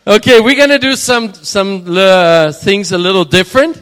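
Man, high-pitched voice, stage show host, informal delivery, long hall reverb. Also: expressive, a little slow, a bit bright, smooth. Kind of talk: live stage presentation. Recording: reverberant hall, music behind.

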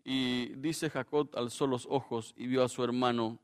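A man preaching a sermon as a pastor, acting out quoted voices and swinging between loud bursts and soft, hushed lines. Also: medium pitch, fairly even intonation, unhurried, clear, resonant tone.

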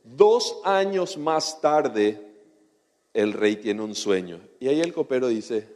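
A man's voice: medium pitch, sing-song, slow pace, a little mellow, big-room sound. A man preaching a sermon in a conversational way, often checking in with his listeners. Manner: conversational, keeps checking in with the audience.

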